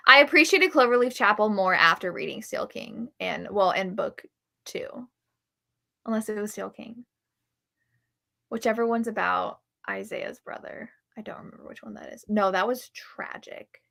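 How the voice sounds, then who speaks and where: A woman with a bright, slightly crackly voice hosts a casual book livestream. She talks candidly and gives firm opinions in a conversational way. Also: medium pitch, moderate pace, gravelly. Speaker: book reviewer and livestream host. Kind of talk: casual chat about books on a live show.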